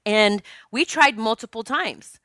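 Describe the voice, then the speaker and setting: A woman in her late forties talks through a solo podcast episode. She is chatty and expressive, and her voice is bright and forceful. The sound is dry and close, with no room echo. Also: on the high side, a little slow. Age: 40s. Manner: chatty and expressive, jokes with listeners. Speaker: podcast host and psychic medium.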